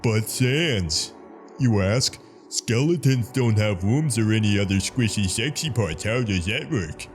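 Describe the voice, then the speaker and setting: A man voicing a laid-back, wisecracking skeleton monster in a casual, deadpan way for a fan comic dub. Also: lowish voice, unhurried, soft background music. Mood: deadpan, explanatory.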